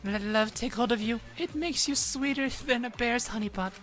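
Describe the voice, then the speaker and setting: A man's voice: extremely high pitch, moderate pace, a bit bright, soft background music, voice pushed up. A man voicing a mischievous, gleeful male bear mascot while reading game dialogue, sly and cackling. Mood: gleeful teasing.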